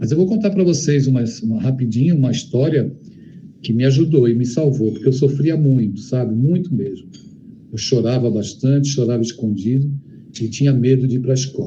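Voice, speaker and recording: With audible room echo, a man talks at a moderate pace in a dark, mellow tone. His medium-pitched voice is somewhat breathy and has ordinary pitch variation. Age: 60s. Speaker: writer. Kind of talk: interview answering children's questions.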